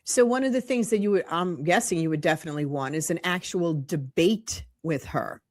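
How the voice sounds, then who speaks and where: A woman's voice: on the low side, a little fast. A woman hosting a political interview, asking supportive, leading questions. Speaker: host.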